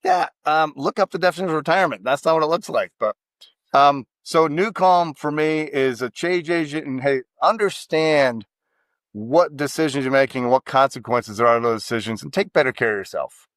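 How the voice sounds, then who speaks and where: A man's voice: fairly high pitch, normal speed, no echo. An American man telling stories with emphasis in a casual podcast conversation. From United States. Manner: emphatic, animated storytelling.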